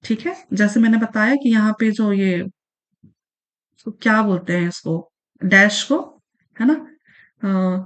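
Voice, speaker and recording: A woman teaching an exam-prep grammar lesson in a casual way, repeating key points and often pausing on fillers. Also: medium pitch. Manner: repeats points, frequent fillers and "ठीक है, याद रखिएगा".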